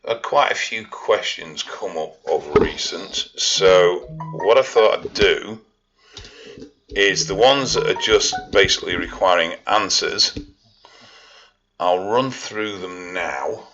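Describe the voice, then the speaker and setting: A man's voice: low-pitched, slow pace, a bit bright, highs cut off. A Yorkshire man answering viewer questions in a casual vlog, blunt and dry-humoured, swearing freely. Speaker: fitness and art vlogger. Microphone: own vlog mic.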